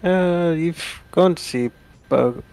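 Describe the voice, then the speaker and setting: A man's voice: fairly high pitch, slow, creaky, darkish tone, smooth, faint music behind. A man making casual commentary while playing a game with others. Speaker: gameplay commentator.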